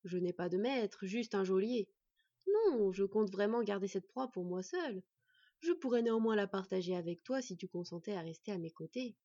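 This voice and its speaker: A woman's voice: mid-range voice, expressive, mellow, dry recording, close to an everyday voice. Woman voicing Fenrir, a sly black wolf. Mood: scheming. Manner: honeyed, mocking, slow and deliberate. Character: huge sly black male wolf, icy and scheming. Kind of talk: audiobook reading. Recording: dry, slightly dull recording.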